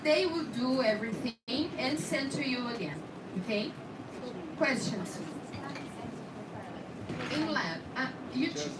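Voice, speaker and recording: A woman from Brazil with a Brazilian accent and Portuguese as her first language, giving a hands-on technical demonstration and often checking that trainees follow. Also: high-pitched. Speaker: instructor in dental scanning. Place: indoor training room with background noise. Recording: echoey room, distant mic, heavy noise.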